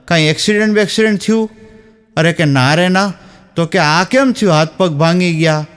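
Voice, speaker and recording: High-voiced man telling jokes. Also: normal speed, fairly bright tone, smooth. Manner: storytelling, acting out dialogue. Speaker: stand-up comedian. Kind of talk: telling jokes to a live audience.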